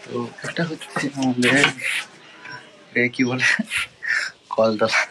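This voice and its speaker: A man's voice: medium pitch, takes it slowly. A man chatting casually to viewers in a home vlog, talking straight to the camera. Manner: chatty, addresses viewers directly, repeats "to" as filler. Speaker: vlogger. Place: home, indoors and yard. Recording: noisy phone recording.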